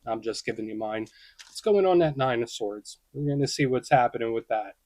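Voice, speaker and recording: A man's voice: mid-range voice, brisk, a little mellow, no room sound. Chatty man giving a tarot reading. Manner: chatty and reassuring, thinks aloud with acted-out inner questions. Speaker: tarot reader. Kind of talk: casual tarot reading to camera.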